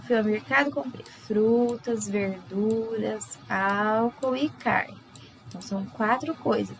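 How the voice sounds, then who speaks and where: A woman teacher with a Brazilian Portuguese accent giving a recorded lesson, explaining slowly with many fillers. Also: on the high side, a little hiss or hum, rough recording.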